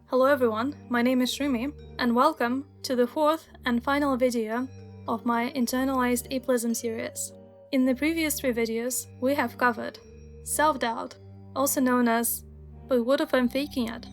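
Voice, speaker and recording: A woman's voice: sits high, fairly even intonation, normal speed, faint music behind. A young woman whose first language is Russian, narrating a scripted video essay in an earnest, wry, explanatory way. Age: young adult.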